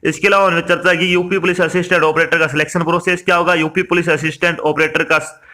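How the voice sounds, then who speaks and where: A man's voice: a little high, flat delivery, fast talker, bright, forceful tone. A man from India giving an instructional explainer, reading out lists and addressing listeners directly. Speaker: exam information presenter.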